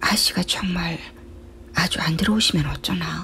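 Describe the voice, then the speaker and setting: In a dramatic tone, the voice moves at a fairly slow pace over noticeable background noise. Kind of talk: audiobook reading of a literary short story.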